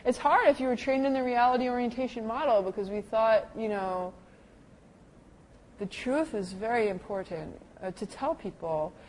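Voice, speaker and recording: A middle-aged woman teaching a lecture to caregivers on dementia care, talking lively and acting out the people she quotes. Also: moderate pace, a little hiss or hum, low-quality recording. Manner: lively, acts out quoted people with big pitch jumps.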